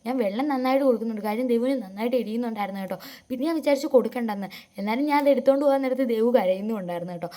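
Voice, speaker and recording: A Keralite woman records a voice-over for her family vlog, rattling along at a rapid clip in a mellow, darkish tone. She pitches her voice a little high and talks in a rambling, chatty way, with frequent asides to her viewers. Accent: Keralite Malayalam. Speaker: vlogger. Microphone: close voice-over mic.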